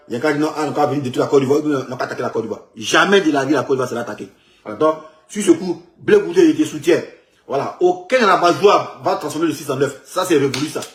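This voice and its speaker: In a circulated video clip, a man with an Ivorian French accent delivers rambling street commentary, talking quickly in a slightly raised, somewhat high voice. He circles back over his own phrases and keeps things animated, and the room around him is echoey.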